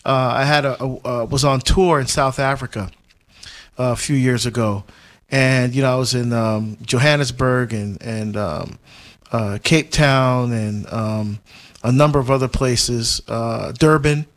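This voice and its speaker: A man's voice: mid-range voice, unhurried. A man born in Barbados, a Catholic deacon, telling stories in casual talk with lots of fillers and restarts. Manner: animated storyteller, many fillers and restarts, frequent laughs. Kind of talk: casual conversational chat.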